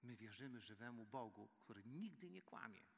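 A man's voice: medium pitch, expressive, moderate pace, creaky. A man preaching a sermon and leading a spoken prayer, earnestly addressing his listeners as dear friends. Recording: long hall reverb.

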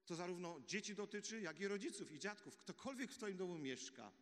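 A man preaching a sermon, telling the story vividly and dropping to a hush for key points. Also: high voice, a little fast. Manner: animated storytelling with dramatic drops to a hush. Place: church hall. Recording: echoey church hall.

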